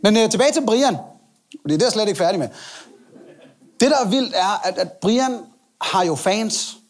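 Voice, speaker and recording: A man's voice: high-pitched, animated. A male stand-up comedian telling a story in a chatty, self-mocking way and acting out the people in it.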